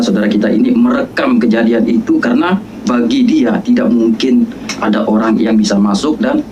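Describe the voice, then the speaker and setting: A man's voice: fairly low pitch, background noise. A man with an Indonesian accent giving casual video commentary, chatty and speaking straight to his viewers. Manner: chatty, addresses viewers as "geng".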